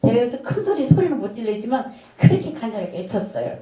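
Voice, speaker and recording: In an echoey church sanctuary, a middle-aged woman pastor delivers an earnest sermon, telling a story and asking rhetorical questions. Her slightly high voice is warm and sing-song, and she speaks quickly.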